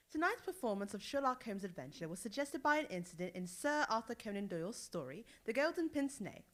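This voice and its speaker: A woman announcer reading a scripted sign-off in an animated, presentational way, in the style of an old-time radio show. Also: on the high side, normal speed.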